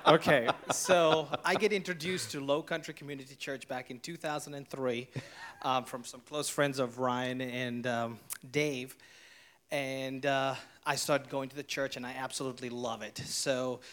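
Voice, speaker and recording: A man's voice: mid-range voice, fairly even intonation, moderate pace, fairly bright tone. A man in his forties, a guest telling personal stories with lots of animation and laughter. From South Africa. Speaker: interview guest.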